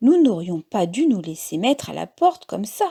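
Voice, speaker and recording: A woman's put-on, growling character voice, fairly high in pitch with very wide pitch swings, at a moderate pace. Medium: read story.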